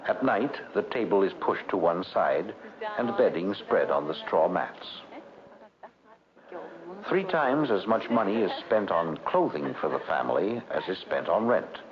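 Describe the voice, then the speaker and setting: A man narrating a scripted 1960s educational documentary in a measured, formal delivery. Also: low voice. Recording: dull vintage 1960s film soundtrack. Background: background music.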